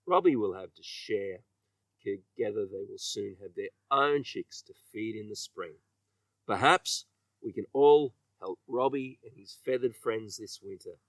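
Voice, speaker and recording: A man reading a children's story with expressive, emphatic delivery, letting his phrase endings trail off. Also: on the low side, dry recording, recorded from a distance, low-quality recording. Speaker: children's author reading own book.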